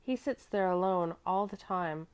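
A woman's voice: fairly low pitch, unhurried, clean tone, pitched above the performer's own voice, lightly acted. A woman voicing a chatty, trusting little girl who prattles eagerly in a children's storybook. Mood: calm, assured.

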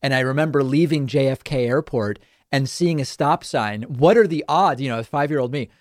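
This political talk show host speaks fairly quickly in a medium-pitched voice, carrying the accent of southern western New England, where he grew up. His casual monologue wanders and often restarts, captured as clean studio sound with no echo.

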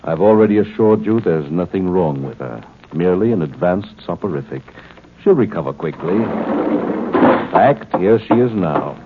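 Casting: lofty alien overlord in old radio sci-fi, deep voice, formal, patronizing, thin hissy sound. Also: male voice, expressive. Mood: smug, assured. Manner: formal, condescending, measured explanations. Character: coolly superior alien commander posing as a human man. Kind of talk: 1950s radio drama acting. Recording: tinny, noisy 1950s radio recording.

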